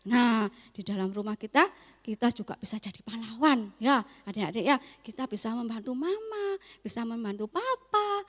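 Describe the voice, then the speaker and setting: A young woman teaching a Sunday school lesson, coaxing and lively with the children. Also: fairly high pitch, moderate pace. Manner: lively, coaxing, talks to kids. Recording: echoey hall.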